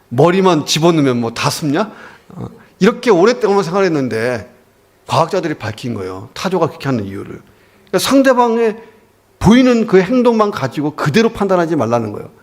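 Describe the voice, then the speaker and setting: A male pastor delivers a sermon in an animated, storytelling way. His voice sits a little high and swings widely in pitch as he acts out the people he quotes. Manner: lively storytelling preacher, acting out quoted voices.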